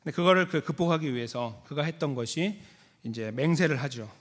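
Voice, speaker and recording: Male pastor, slightly high voice, sermon, long church hall reverb. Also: animated, a little fast. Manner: acts out quoted voices with sudden high pitch jumps. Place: church sanctuary.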